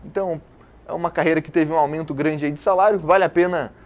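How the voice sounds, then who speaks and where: Fast-talking enthusiastic male co-anchor. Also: on the high side, steady tone. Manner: enthusiastic, rambling, informal. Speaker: news co-presenter. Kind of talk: casual news commentary.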